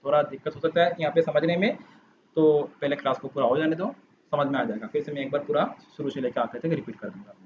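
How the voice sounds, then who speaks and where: Through a faint hiss and dull lo-fi audio, a man with a highish voice speaks at a quick pace as he types code for his class. He explains patiently, repeating and rewording each step of the walkthrough.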